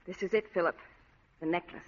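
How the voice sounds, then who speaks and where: A woman playing a breathy femme fatale. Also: on the low side, steady tone, fairly quick, lightly acted. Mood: coaxing. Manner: breathy, pleading, coaxing. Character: scheming seductive society woman, desperate femme fatale. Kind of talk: 1940s radio acting. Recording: dull old radio recording.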